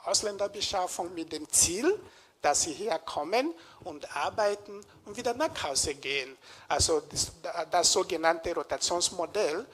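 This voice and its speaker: A man from Nigeria giving a public lecture in a lecture room, pausing often with hesitations as he searches for words. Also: high-pitched, animated, a bit bright.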